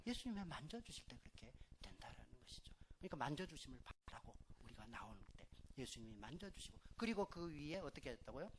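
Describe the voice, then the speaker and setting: A middle-aged man preaching a Sunday sermon as pastor, with loud stresses that drop to soft endings. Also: a little high, slight background noise. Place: church sanctuary.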